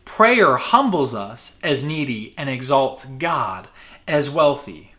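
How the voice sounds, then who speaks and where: A man's voice: medium pitch, very animated, slow, bright, forceful tone. A man preaching a sermon to his congregation, earnest and conversational, repeating words for emphasis and acting out everyday prayers. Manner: voices imagined prayers in an easy conversational tone. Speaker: pastor.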